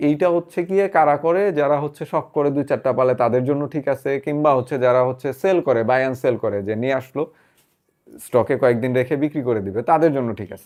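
A man with an unremarkable speaking voice, a fairly high pitch and ordinary pitch variation. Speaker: goat farm owner and farming advisor. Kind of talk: live stream interview. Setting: office, live video stream.

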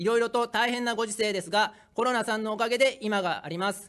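A man projects a raised, high-pitched voice with a bright, sharp tone and ordinary pitch variation. He keeps a moderate pace against a quiet background. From Japan, Yokohama; Japan. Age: 30s. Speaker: political candidate; candidate. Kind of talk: political broadcast speech. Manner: read from a script. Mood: earnest, confessional. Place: studio. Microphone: studio mic.

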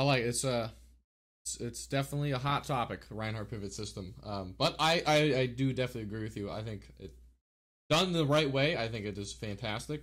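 In an American accent, a man talks at a fairly quick pace with vocal fry against a quiet background. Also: ordinary pitch variation. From United States. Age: 20s. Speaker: podcast host. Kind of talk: interview. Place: home room.

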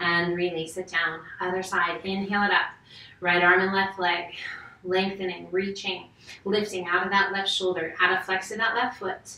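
A woman speaks in monotone, flat intonation at a moderate pace. Audible room echo is present. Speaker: yoga instructor. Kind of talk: guided yoga instruction. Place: home room.

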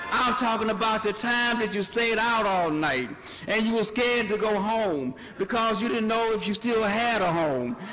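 A man's raised, projected voice with an American accent, high in pitch, at a moderate pace and very even loudness, over noticeable background noise. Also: ordinary pitch variation. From Chicago. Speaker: preacher. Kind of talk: sermon.

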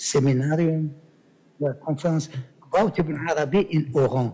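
A man's voice, fairly high in pitch. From Algeria. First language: French. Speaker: poet. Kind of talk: poetry reading. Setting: stage with audience. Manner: halting. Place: hall. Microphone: podium.

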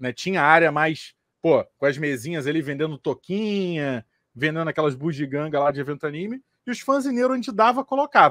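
The speech moves at a fairly quick pace with very wide pitch swings, in a dry sound with no echo against a quiet background. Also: man, fairly high pitch for a man. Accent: Rio de Janeiro. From Rio de Janeiro, Brazil. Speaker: comic book editor. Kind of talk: casual chat. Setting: livestream. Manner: animated. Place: home room. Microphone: studio mic.

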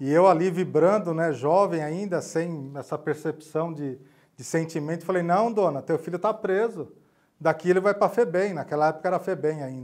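A man talks at a moderate pace in a fairly high pitch, with ordinary pitch variation. The background is quiet. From São Paulo, Brazil. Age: 40s. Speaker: police officer and drug prevention speaker. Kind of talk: casual interview. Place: studio.

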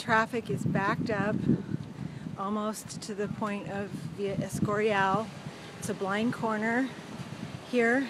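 Over loud background noise, a woman talks at a very slow pace with long, frequent pauses, the sound dry with no echo. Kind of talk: walking commentary. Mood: annoyed, documenting complaint. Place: street. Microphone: phone near.

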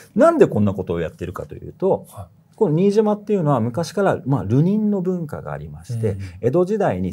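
A man's somewhat breathy voice with a dark, mellow tone swings very widely in pitch. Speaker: ghost-story teller; storyteller. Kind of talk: conversational storytelling. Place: studio. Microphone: handheld.

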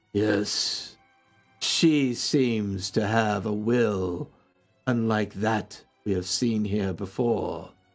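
A man uses a put-on character voice with a fairly low pitch at a very slow pace. Faint music plays in the background. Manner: eerie, hungry, coaxing.

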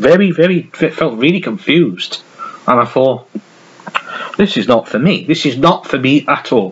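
Speaking in a Welsh accent, a man leaves long, frequent pauses. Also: lively intonation, moderate pace. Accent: Welsh (Newport). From Wales, Newport (Pill); Wales. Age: 20s. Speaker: YouTuber. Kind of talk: casual monologue vlog. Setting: home video recording. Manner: rambling, repetitive. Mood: frank, reflective, some swearing. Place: home room. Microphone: webcam.

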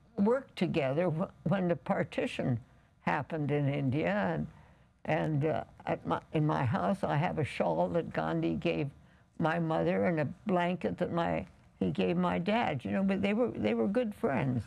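A woman with a very deep, low pitch and vocal fry speaks fairly slowly, her loudness very even while her pitch swings very widely. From India. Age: 80s+. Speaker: holistic physician and author. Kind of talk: interview answer. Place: studio.

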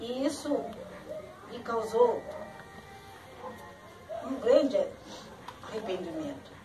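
Over music in the background, a woman with a high pitch and ordinary pitch variation talks at a very slow pace with long, frequent pauses. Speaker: elderly church member reciting. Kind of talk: poetry reading. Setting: home visit. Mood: solemn, emotive storytelling. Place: home room. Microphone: camera far.

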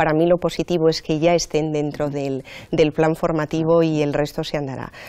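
A woman speaks fairly quickly in a fairly low, dark, mellow tone. Her intonation is monotone and flat over a quiet background. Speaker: physician and medical lecturer. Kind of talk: interview. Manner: halting, many fillers. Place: studio. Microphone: lapel.

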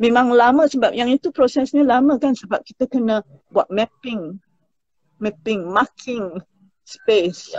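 A woman at a high pitch and very slow pace, with lively intonation, in a dry sound with no echo and a quiet background. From Malaysia. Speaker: choreographer; guest. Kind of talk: casual interview. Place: home room. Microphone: video call.

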